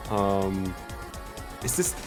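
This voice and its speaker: A man's voice: low-pitched, big pitch swings, takes it slowly. A man with an Austrian accent doing casual commentary on a game tournament, chatty and full of restarts. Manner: chatty, restarts and fillers, laughs easily. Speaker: esports commentator. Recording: game music playing underneath.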